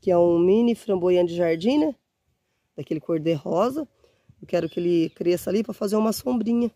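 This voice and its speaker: Out in a windy garden, a woman in her forties talks warmly and briskly to her phone camera held at arm's length, her voice on the low side and slightly hoarse from a cold. A chatty gardening vlogger, she often says "gente" and uses diminutives. There's no room sound, just faint wind noise outdoors.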